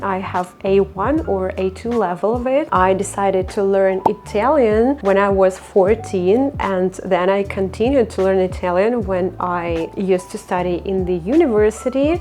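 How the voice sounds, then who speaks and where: This vlogger is a woman in her thirties who speaks with a Russian accent, her medium-pitched voice a little mellow. She chats reflectively in a casual personal vlog, using fillers and non-native phrasing.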